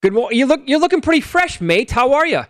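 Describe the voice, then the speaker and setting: A man's voice: very high voice, big pitch swings, fast, a bit bright, no echo, clean studio sound. A man hosting a sports talk show, upbeat and joking with his guest. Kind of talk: casual chat and read ads.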